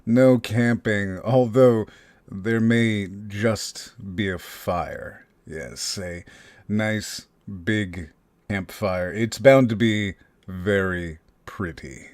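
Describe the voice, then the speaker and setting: Man acting a slow, menacing kidnapper. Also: fairly low pitch, darkish tone, dry recording. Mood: amused menace. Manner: slow, taunting, chuckling. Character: huge menacing kidnapper, mockingly polite, gleefully sinister. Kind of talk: audio drama acting.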